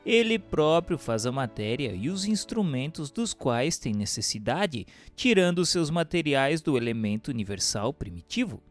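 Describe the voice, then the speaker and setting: A man giving a measured, formal reading of a spiritist book as narrator. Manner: measured, formal reading with lively pitch swings. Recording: reading with faint music underneath.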